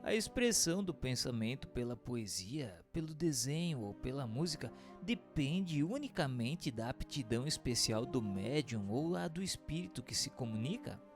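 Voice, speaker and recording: A man's voice: medium pitch, very animated, moderate pace, hardly any pauses. A man with a Brazilian accent reading scripted narration in a formal, didactic way. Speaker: narrator and questioner. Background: music.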